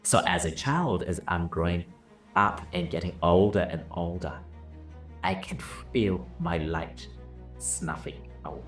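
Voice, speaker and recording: A man's voice: deep voice, unhurried. A man from Zimbabwe, a business and leadership coach, telling his own life story in an earnest, reflective way. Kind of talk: personal story told over music. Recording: roomy, somewhat distant mic with soft music. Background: soft violin music.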